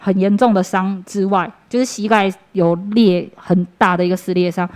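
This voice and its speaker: A woman's voice: mid-range voice, fairly even intonation, normal speed, a little mellow. A young woman with a Taiwanese Mandarin accent, giving a personal church testimony in an earnest, conversational way, with fillers and restarts.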